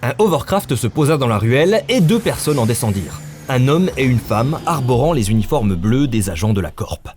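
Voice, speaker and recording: A man's voice: medium pitch, very animated, moderate pace, few pauses, a little mellow, slight background noise. A man reading scripted, dramatic story narration as the narrator.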